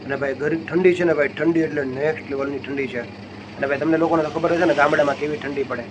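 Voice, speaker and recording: A man's voice: fairly high pitch, fairly even intonation, fast, background noise. A young man with a Gujarati accent, chatting casually to viewers in a family vlog. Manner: chatty, addresses viewers as friends and brother. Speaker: family vlogger. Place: outdoors on village roads.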